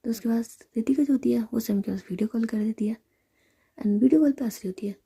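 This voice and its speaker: A woman telling a story in whispered role-play, narrating softly and unhurriedly. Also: fairly high pitch, quick pace, gravelly, breathy edge.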